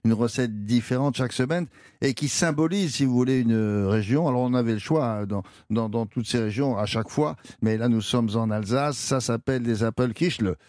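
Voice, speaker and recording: A male radio host chats easily and asks curious questions. His voice is at a middle pitch. The studio sound is dry, with no room echo. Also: normal speed, a little mellow. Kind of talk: radio show hosting.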